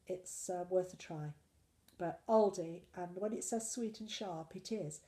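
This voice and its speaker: Woman, weekly diet vlogger, with a cold; low, mellow, gravelly, chatty and rambling. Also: measured pace. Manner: chatty, rambling, self-deprecating. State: full of cold. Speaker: slimming vlogger. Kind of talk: casual weekly diet vlog.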